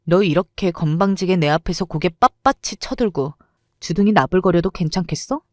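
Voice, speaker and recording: A woman's voice: fairly low pitch, brisk, dry recording, studio quality, natural voice. A woman playing an icy, furious mother. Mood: cold fury. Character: furious mother taking revenge on old bully.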